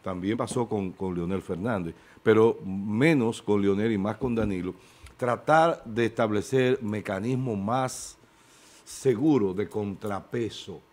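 A man on a TV studio panel, talking into a desk microphone and working out his points with pauses and restarts. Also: on the low side, darkish tone. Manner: hesitant, restarting mid-thought. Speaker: panel guest. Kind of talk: political panel debate.

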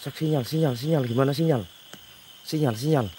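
A man's voice: mid-range voice, fairly quick, warm tone, a little hiss or hum. A man vlogging a night ghost hunt outdoors, nervously muttering prayers and calling to his companions. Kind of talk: casual night exploration vlog. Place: outdoors at night in rough terrain.

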